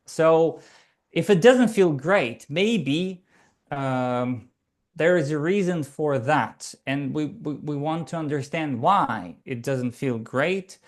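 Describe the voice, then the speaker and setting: Male guest, slow and measured, reflective, slight stutter. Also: fairly high pitch, expressive. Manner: measured, reflective, with occasional light stutters and fillers. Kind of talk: conversational interview.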